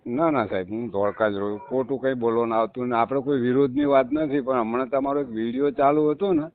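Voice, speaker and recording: A man calls in and presses his point again and again, insistent and emphatic. His voice sits at an ordinary middle pitch. It comes through a thin, tinny phone line. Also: animated, fast. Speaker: caller. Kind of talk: phone call. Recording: tinny phone call recording.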